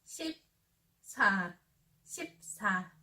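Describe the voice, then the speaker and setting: A young woman teaching a language lesson, saying each word twice with slow, careful delivery, indoors in front of a camera. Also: medium pitch, sing-song, bright, forceful tone. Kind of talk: slow clear repetition of words. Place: bright indoor room, seated.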